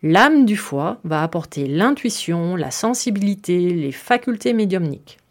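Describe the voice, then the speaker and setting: A woman's voice: lowish voice, very animated, unhurried. A woman hosting a podcast and explaining her subject in a friendly, conversational way, with filler words and some self-mocking humor. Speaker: podcast host.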